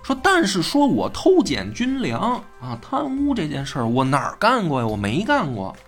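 A man voicing an older Tang general who protests, in a strained high voice, that he never stole army grain. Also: huge pitch swings, normal speed, soft background music. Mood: indignant pleading. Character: panicked elderly Tang general pleading his innocence.

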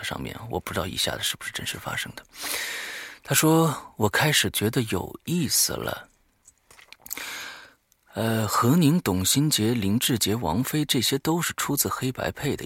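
A man's voice: lowish voice, gravelly, fairly bright tone, husky, dry recording, clean studio sound. A man hosting a horror audio show, reading a diary aloud dramatically and breaking off for offhand, muttered asides.

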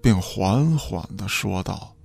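A man's voice: low voice, expressive, takes it slowly, creaky, a little mellow. A man giving dramatic scripted narration for a radio play in a theatrical storytelling manner. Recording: music behind the voice.

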